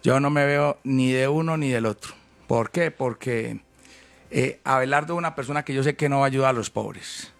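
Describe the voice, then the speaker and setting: A man's voice: medium pitch, normal speed, vocal fry, soft background music. A man in his fifties with a Colombian paisa accent, a presidential candidate talking emphatically in a heated interview. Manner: emphatic, repetitive, calls people brother.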